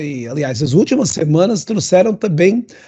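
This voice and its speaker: A man talks at a fairly slow pace in a high voice. His intonation is lively. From northern Portugal. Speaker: LinkedIn consultant and speaker. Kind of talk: interview conversation. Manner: hesitant fillers.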